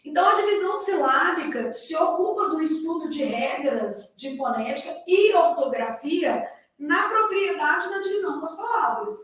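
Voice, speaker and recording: A woman with a high, fairly bright voice and a Brazilian Portuguese accent teaches grammar to exam candidates at a moderate pace. Her recorded lecture is didactic, full of rhetorical questions to the class, captured in an echoey room with her voice far from the mic.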